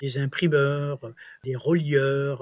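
A man speaks at a very slow pace. His voice is fairly high-pitched and somewhat breathy. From Grenoble region, France. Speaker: printing industry executive and consultant. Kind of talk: interview.

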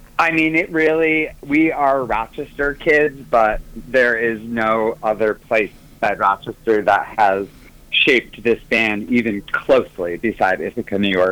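This is an ordinary speaking voice from a man, medium in pitch, moving at a fairly slow pace with ordinary pitch variation. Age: 30s. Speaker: band drummer. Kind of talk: interview.

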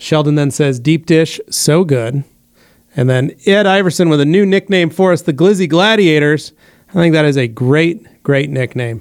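Here a man speaks at a moderate pace. His pitch is fairly high, with ordinary variation. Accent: American. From Boise, Idaho, US West. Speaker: car detailing livestream host. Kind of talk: livestream Q&A talk show. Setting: studio. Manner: relaxed, chatty.

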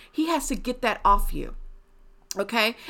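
Bright and sharp in tone, a woman speaks at a moderate pace in an animated way. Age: 50s. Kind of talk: devotional monologue.

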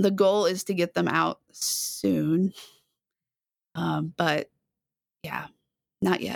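A woman speaks with a Texan accent. The sound is dry and close with no echo, in a very clean recording with a silent background. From Dallas area, Texas. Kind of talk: casual interview chat.

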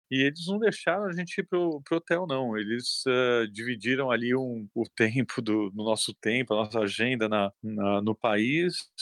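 A man at medium pitch and a moderate pace, lively intonation, hardly any pauses, dry, close sound with no echo and a quiet background. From Brazil, São Paulo city. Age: 50s. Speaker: travel guide. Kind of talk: interview.

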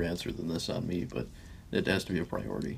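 A man's very deep, low voice with vocal fry, a serious tone and an American accent. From Toledo, Ohio. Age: 20s. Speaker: political candidate and law student. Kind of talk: interview. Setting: remote call.

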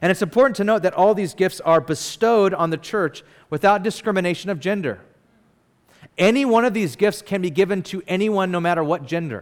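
The recording is very clean with a silent background as a man with a high pitch talks at a fairly quick pace with ordinary pitch variation. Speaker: pastor. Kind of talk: sermon. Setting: church. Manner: filler-heavy, words run together.

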